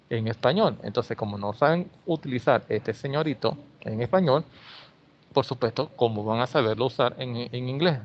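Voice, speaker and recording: A male English teacher, explaining grammar in an online class and often checking in with "ok?". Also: medium pitch. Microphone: video call. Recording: slightly dull video-call audio.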